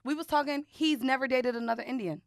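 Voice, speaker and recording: A woman's voice: high voice, fast, no room sound, studio quality. A woman in casual podcast banter, teasing and profane, with plenty of slang. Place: podcast studio.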